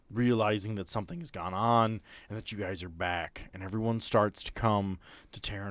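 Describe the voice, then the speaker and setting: Low-voiced game master, dry sound. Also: male voice, dry recording. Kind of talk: narrating a tabletop role-playing game.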